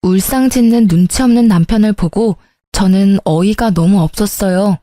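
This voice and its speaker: A woman's voice: medium pitch, normal speed, mellow, no room sound, clean studio sound. A woman narrating a dramatic story and voicing its heroine in a firm, indignant way.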